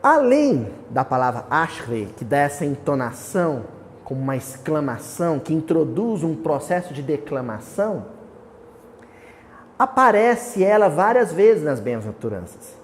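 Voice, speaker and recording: His voice is high-ish and sing-song, his pace a little slow, as this man with a Brazilian accent instructs a small study group. Questions to the group get answered by him alone, and quoted verses are declaimed. The recording carries hall reverb and faint hiss.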